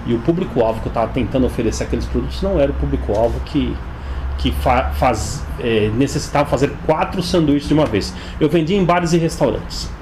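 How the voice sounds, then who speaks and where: A man in his forties speaks with a São Paulo Brazilian accent and a mid-range pitch. He answers in a conversational interview style, as a sales coach would. Clear background noise and ambience sit behind his voice. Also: expressive, fairly quick. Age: 40s. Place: inside his home.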